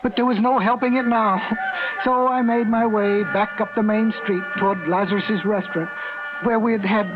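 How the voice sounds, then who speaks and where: A man's voice: sits high, fairly even intonation, moderate pace, noisy background, lightly acted. A man playing a timid, fussy store clerk who narrates a 1950s radio drama, hesitant and stammering. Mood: fretful. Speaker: lead actor and narrator. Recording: tinny old radio broadcast with music.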